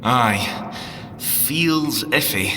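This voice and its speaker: A teasing Scottish field scientist in an audio drama. His voice is bright and forceful, with lively swings of pitch. He is playful and theatrical, in a reverberant space. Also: drawn-out words, slight background noise, full character voice. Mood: chatty, earnest. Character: playful, teasing male spy-agency scientist agent.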